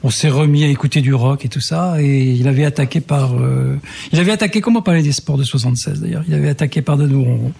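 An older male journalist tells old stories on a radio talk show. His voice is gravelly and a little husky, and he talks in a relaxed, reminiscing way with frequent restarts. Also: medium pitch, quick pace, hardly any pauses. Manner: reminiscing, with restarts and small laughs. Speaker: journalist guest. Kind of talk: casual radio chat, telling anecdotes.

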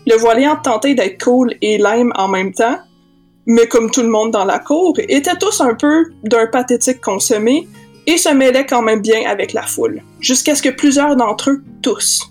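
A woman's voice: a little high, normal speed, darkish tone. A woman reading a comic parody story, playful and theatrical. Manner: playful, theatrical, voices many figures. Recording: with medieval background music.

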